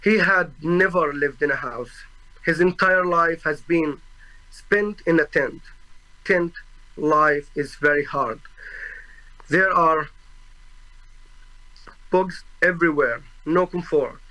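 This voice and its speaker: A young man from Gaza with an Arabic accent testifies before a tribunal in a slightly high, bright, forward voice. He speaks very slowly and solemnly, pausing to search for words and restarting his phrases. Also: poor audio. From Gaza, Palestine. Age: 20s. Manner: halting, searching for words, with frequent restarts and fillers; solemn and earnest. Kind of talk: formal personal testimony.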